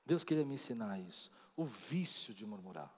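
A man's voice: fairly low pitch, big pitch swings, normal speed, a little mellow, breathy edge. A man preaching a sermon, telling stories with animation and acting out the voices of others. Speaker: pastor. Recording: long reverb of a large hall.

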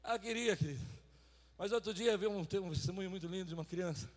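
A man with a Brazilian Portuguese accent preaching a fervent sermon, shouting out lines and then dropping to hushed storytelling. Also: high voice, quick pace. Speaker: pastor. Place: large church hall. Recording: long reverb of a big church hall.

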